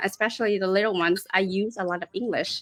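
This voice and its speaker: Talking at a very fast pace, a woman keeps her intonation fairly even. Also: dry, close sound with no echo. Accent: Vietnamese. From Vietnam, moved abroad at eleven. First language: Vietnamese. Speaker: business owner. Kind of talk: casual chat. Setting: livestream. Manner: halting, many fillers.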